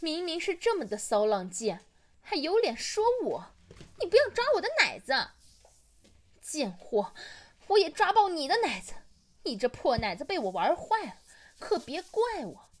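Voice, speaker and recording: A woman's voice: high voice, big pitch swings, normal speed. A woman voicing a foul-mouthed young woman in a catfight, taunting and cursing in an amateur audio role-play. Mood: angry.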